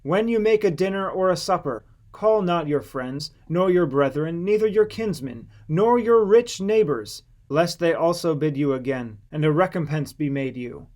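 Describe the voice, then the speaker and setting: A man acts out an authoritative holy teacher from a scripture audiobook. The voice is slightly high, and the delivery is solemn, declamatory and exhorting. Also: expressive, moderate pace, hardly any pauses, a little mellow, close to an everyday voice. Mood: solemn, instructing.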